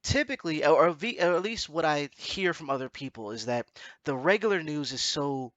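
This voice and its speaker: Male host, bright forceful voice, slightly stuffy nose, rambling casual chat, very dry recording. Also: fairly high pitch, expressive, fairly quick, no echo, highs cut off. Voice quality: congested nose from allergies. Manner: hesitant, self-correcting, rambling. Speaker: podcast host.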